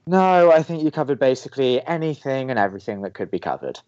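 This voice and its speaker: A man's voice: mid-range voice, very animated, quick pace, a little mellow, clean tone, muffled recording, lightly acted. A man playing a cynical, exasperated young campus radio co-host in an audio drama, bantering with a sardonic, argumentative edge. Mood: dry skepticism.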